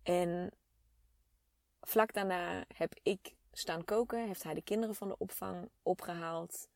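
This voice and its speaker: A woman's voice: lowish voice, steady tone, unhurried, vocal fry, darkish tone, no room sound. Woman, 30s, vlogger: frank, chatty, emotional storyteller, dry close-miked sound. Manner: open, chatty and emotional, with many fillers. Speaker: vlogger speaking to a female audience. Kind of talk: candid personal storytelling.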